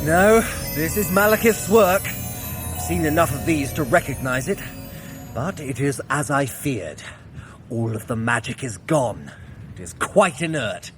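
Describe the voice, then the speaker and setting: Casting: sly trickster god for audio adventure; high register, very lively delivery, dry wit, theatrical. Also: male voice, a little slow, music in the background. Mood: rueful, dismayed. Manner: wry, theatrical, hesitant when evasive. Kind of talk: dramatised audio adventure for runners.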